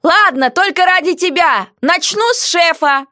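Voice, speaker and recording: A woman's voice: very high-pitched, unhurried, pushed and bright, voice pushed up, heavily acted. A woman voicing a defiant, cheeky female prisoner who answers with mocking, sassy retorts. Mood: teasing.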